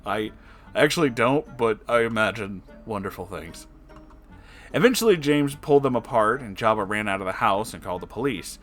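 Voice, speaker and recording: A man reading a story aloud as an online narrator, expressive and casual, with dramatic delivery. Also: fairly low pitch, moderate pace. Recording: music behind the voice. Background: background music.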